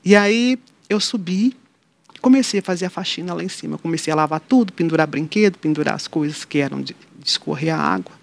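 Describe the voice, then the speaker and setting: A middle-aged woman, the mother of an atypical child, appears as a guest on an interview show and shares a personal faith testimony in conversation. She is a lively storyteller who acts out the people's quoted dialogue, her low, gravelly voice running fast.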